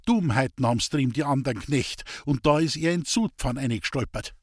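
A man's voice: medium pitch, moderate pace, breathy edge, no echo, clean studio sound, natural voice. A man voicing a weary, bitter old village woman speaking in Bavarian dialect in a storybook reading. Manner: plaintive, bitter, resigned.

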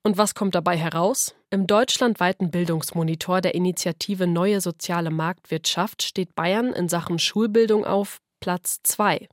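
A woman reporter from western Germany reading a scripted radio feature in an even way. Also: fairly low pitch, moderate pace, few pauses, dry recording, clean studio sound. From North Rhine-Westphalia, Germany. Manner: even, read-aloud delivery.

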